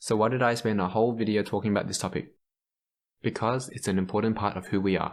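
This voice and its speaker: A very fast man with an Australian accent and fairly even intonation, on a very clean recording against a silent background. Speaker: language teacher. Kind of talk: educational narration.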